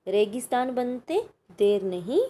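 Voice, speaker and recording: Woman, school teacher, patient, slow delivery, warm mellow voice, rather high. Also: animated. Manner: patient, explains slowly with tag questions. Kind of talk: recorded Hindi grammar lesson for children.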